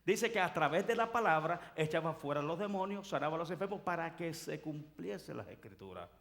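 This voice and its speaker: Male pastor, fairly high voice, emphatic preacher who builds volume at key points, church sanctuary. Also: expressive, brisk, vocal fry, a bit bright. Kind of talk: sermon.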